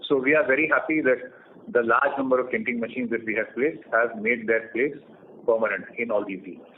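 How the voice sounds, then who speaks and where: A man with an Indian accent answering questions as a company executive on an earnings call, explaining in a measured way. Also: mid-range voice. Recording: tinny phone line with clear noise.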